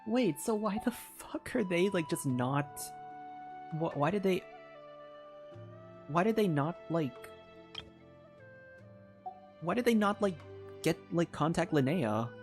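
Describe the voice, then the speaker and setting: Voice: medium pitch, lively intonation, slow pace, long pauses, faint music behind. A game streamer giving casual, informal live commentary, reacting aloud in broken, repeated phrases.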